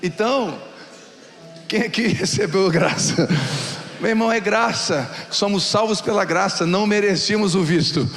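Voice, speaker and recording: High, gravelly Brazilian preacher. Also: male voice, moderate pace, long reverb tail. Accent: Brazilian Portuguese. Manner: lively storytelling, acts out excited voices. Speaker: pastor. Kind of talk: sermon. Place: church hall with audience.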